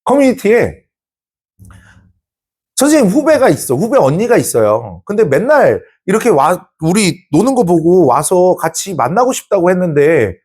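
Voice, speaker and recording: Upbeat, well-mannered young woman in a retold anecdote, put on by a man, slightly husky. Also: sits high, a little mellow, exaggerated voice. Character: cheerful young adult woman, former student, polite.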